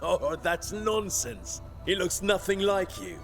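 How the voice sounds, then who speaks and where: A slow-talking, teasing warrior comrade. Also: male voice, sits high, vocal fry, exaggerated voice. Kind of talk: video game voice acting. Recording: music behind the voice.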